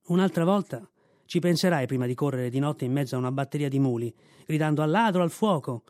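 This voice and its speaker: A man voicing a gruff, bossy old army mule who scolds bluntly and briskly in a storybook reading. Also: a little high, expressive, a little mellow, no room sound, studio quality, lightly acted. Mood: scolding.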